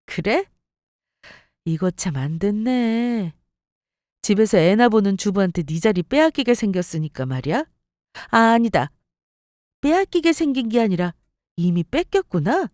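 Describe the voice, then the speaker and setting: A woman voicing a composed wife who calmly mocks and scolds her husband in a story radio drama. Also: mid-range voice, a little slow, pauses often, dry recording, studio quality. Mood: cold. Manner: cool, mocking, composed. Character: calm, cutting wife who takes over company. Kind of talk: story radio role-play.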